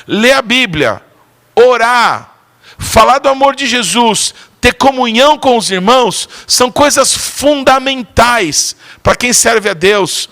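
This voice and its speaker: A male pastor preaches a sermon and tells a story, pausing often to call for audience responses. His voice is high for a man and bright and forceful. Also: expressive.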